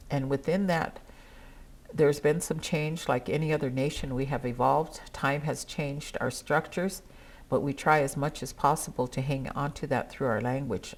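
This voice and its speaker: An older woman whose first language is Dakota, speaking at a gathering in a measured, earnest way with pauses. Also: low-pitched. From South Dakota, USA. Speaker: treaty council member.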